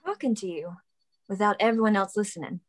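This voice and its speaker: A woman plays a bold small-town young woman in a drama table read. She is playful and self-assured, teasing in a medium-pitched voice. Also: a little fast, natural voice.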